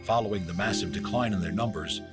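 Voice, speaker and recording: A man giving scripted nature documentary narration in a measured, dramatic way, with grand descriptive phrasing. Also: on the low side. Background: music behind the voice.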